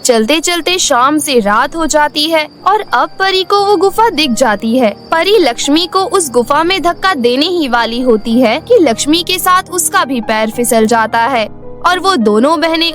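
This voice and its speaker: Female storyteller with a high voice, scripted cartoon fairy-tale narration over soft background music. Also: animated, a little slow.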